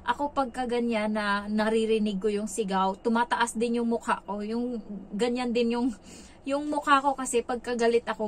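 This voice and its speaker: A woman from the Philippines who works as a domestic helper, talking frankly to her viewers in a rambling, conversational way full of filler pauses. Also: on the high side, a little hiss or hum, rough recording. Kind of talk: casual vlog talk to viewers.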